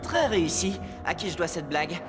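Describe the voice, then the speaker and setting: A cheerful teenage cartoon hero, always up for adventure. The delivery is breezy and confident, with animated intonation. Background music is clearly audible. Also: male voice, on the high side, brisk. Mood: light, bemused. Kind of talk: animated cartoon dub acting.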